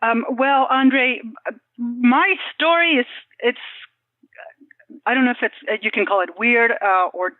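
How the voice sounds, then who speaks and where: A woman's voice: a little high, measured pace, long pauses, no room sound. A woman guest who works as a dental billing specialist, talking in a friendly, chatty way with fillers over the phone. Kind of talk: casual interview podcast. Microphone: telephone. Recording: tinny phone line.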